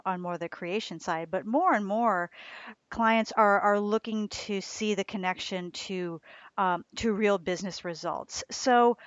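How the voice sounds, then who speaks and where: A woman's voice: medium pitch, no echo, dull audio. A woman hosting a podcast, reading an intro and guest bio, then interviewing with frequent murmured backchannels. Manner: brisk, reads bios smoothly, many backchannel hums. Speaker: podcast host.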